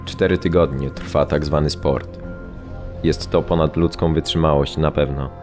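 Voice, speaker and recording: A camp survivor in a radio drama, recalling suffering. His voice is extremely deep and monotone. Music is clearly heard behind him. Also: unhurried. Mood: somber. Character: male camp survivor recalling unbearable punishment. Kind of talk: dramatised documentary narration.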